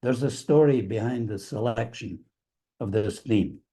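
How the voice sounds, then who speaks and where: A man's voice: mid-range voice, measured pace, mellow, slightly rough. An older man from Scotland with a Scottish accent, giving a speech to a club meeting with dry, wry humour. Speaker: district governor, guest speaker.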